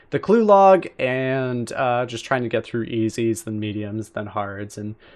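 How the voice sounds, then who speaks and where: A man is speaking. His pitch is medium. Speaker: gaming youtuber. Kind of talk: gameplay commentary. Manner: fast; casual, many fillers.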